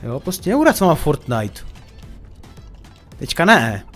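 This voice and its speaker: A man chatting playfully over his gameplay, addressing his viewers as friends. His voice sits somewhat high and swings widely in pitch. Faint game music plays underneath. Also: wildly swooping pitch, fairly bright tone. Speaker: gaming YouTuber. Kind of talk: casual gameplay commentary.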